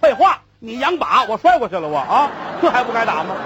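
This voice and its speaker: A man voicing an indignant male passenger who sputters and shouts his complaints. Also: very high voice, big pitch swings, rapid-fire, a crowd in the background, background noise. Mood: outraged. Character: indignant young male passenger, easily riled.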